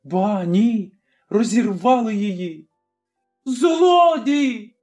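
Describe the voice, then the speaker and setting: Calm slow audiobook narrator reading classic prose, soft music low behind. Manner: slow, measured, dropping soft at line ends. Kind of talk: scripted literary narration.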